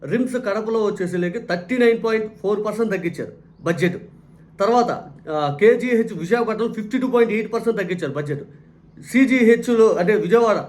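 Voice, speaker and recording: A man delivering a heated political commentary monologue, firing rhetorical questions and repeating his points. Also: sits high.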